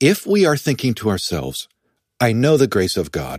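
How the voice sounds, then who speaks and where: On a very clean recording with a silent background and a dry, close sound with no echo, a man speaks at a moderate pace with vocal fry. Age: 40s. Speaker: pastor and author. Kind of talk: interview. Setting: studio.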